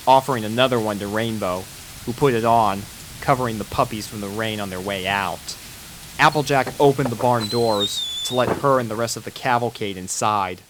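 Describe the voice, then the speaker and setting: A man narrating a fan-written pony story in a steady storybook manner. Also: medium pitch, a little hiss or hum, poor audio. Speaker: fanfic reader.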